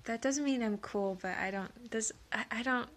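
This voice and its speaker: A woman with a sniffly voice from allergies, rambling in a nervous, halting way, stammering, filling pauses and giggling, sometimes dropping to a whisper. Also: fairly high pitch. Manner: drops into soft whispers at times; giggles often. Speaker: audio creator. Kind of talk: rambling casual monologue.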